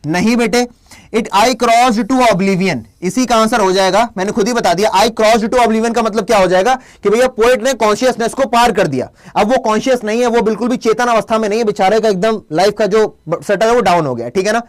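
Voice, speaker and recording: High-pitched playful Hindi-accented male teacher. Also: fast, hardly any pauses. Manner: playful, scolds chat commenters. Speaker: online English teacher. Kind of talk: live class with quiz questions.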